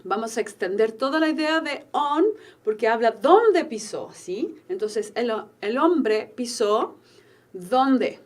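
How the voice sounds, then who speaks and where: Chilean lady teacher, high voice, walks you thru grammar slow and patient, keeps asking "¿sí?". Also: expressive. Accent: Chilean Spanish. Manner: explains patiently, checks in with "¿sí?" and slows down on English example sentences. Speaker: English teacher. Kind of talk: recorded online grammar lesson.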